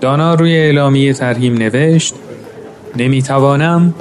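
A man narrating a story in a calm, measured way, now and then addressing his listeners as friends. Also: medium pitch. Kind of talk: scripted narration.

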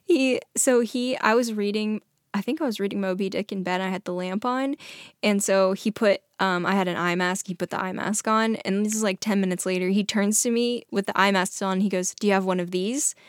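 A woman's voice: mid-range voice, a little fast, no echo, clean studio sound. A woman chatting casually, telling anecdotes in an amused, giggly way and quoting dialogue as she goes. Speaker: podcast co-host telling stories.

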